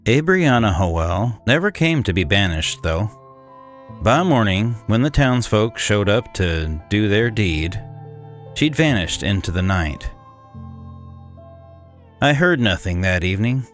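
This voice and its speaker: A man playing a cynical, disdainful 1800s swindler, narrating a gothic horror tale in a measured, condescending way. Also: on the low side, very animated, soft background music. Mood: grim, detached. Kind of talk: scripted dramatic horror narration.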